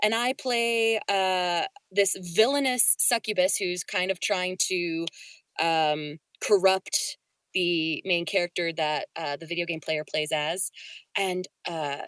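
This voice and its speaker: A woman's voice: on the low side, fairly even intonation, slow pace, a bit bright, smooth, no echo. A woman voice actor talking casually as a guest in a podcast interview.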